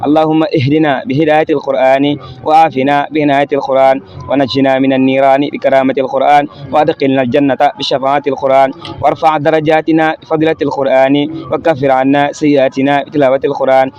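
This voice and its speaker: A man's voice: mid-range voice, level tone, quick pace, darkish tone. A man leading an Islamic supplication, reciting formulaic parallel phrases in a rhythmic litany. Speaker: prayer leader. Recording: dull lo-fi recording.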